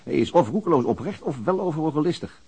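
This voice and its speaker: An actor playing a calm, dry-witted murder detective who speaks in a wry, understated way. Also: male voice, fairly high pitch, fast, vocal fry, breathy edge, heavily acted. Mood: musing. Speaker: police detective. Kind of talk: radio drama acting.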